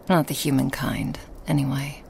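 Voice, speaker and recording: A woman playing a lonely, hospitable woman in a remote forest cabin, speaking softly and coaxingly in a half-whisper to the listener. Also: rumbling low, measured pace, creaky, slight background noise, exaggerated voice. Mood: gentle. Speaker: ASMR roleplay performer. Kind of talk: ASMR roleplay, whispered to the listener.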